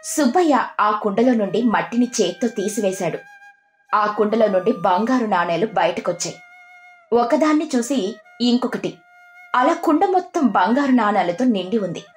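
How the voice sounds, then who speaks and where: A woman's voice: a little high, lively intonation, moderate pace. Woman narrating over background music. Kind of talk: scripted story narration.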